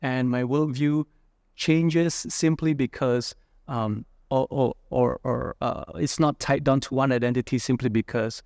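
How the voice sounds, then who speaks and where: A man from Indonesia talks through his views as a guest in a casual interview. His voice has a gravelly edge, and the recording is dry and close. He thinks aloud, with fillers and frequent "right?" checks. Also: medium pitch, steady tone, unhurried, darkish tone, dry recording. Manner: reflective, many fillers and "right?" tags. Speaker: entrepreneur guest.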